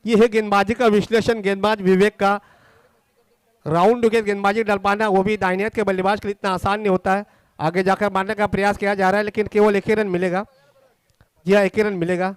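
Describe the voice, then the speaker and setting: An Indian man calls a cricket match live in a very high-pitched, smooth and clear voice. He sounds excited as he follows the play ball by ball and keeps restating the score. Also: a little fast, dry recording.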